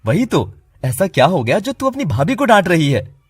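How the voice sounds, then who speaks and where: A man's voice: sits high, very animated, normal speed, husky, heavily acted. A man voicing a mild, reasonable young husband in a cartoon story.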